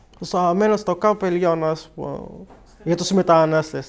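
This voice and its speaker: A man's high voice at a very slow pace. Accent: Arabic. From Morocco. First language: Arabic (speaking Greek). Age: 20s. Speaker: young migrant interviewee. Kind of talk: interview testimony. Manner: halting, many false starts.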